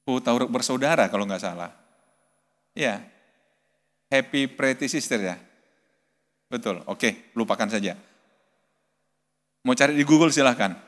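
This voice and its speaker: A male pastor preaching a sermon to his congregation, animated, rising to loud pleading cries when he reads scripture. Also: medium pitch, unhurried, pauses often. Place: church hall. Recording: reverberant church hall.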